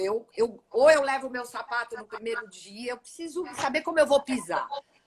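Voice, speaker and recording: At a fairly slow pace, a woman speaks at a high pitch with ordinary pitch variation. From São Paulo, Brazil. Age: 60s. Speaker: actress. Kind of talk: interview. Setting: live stream.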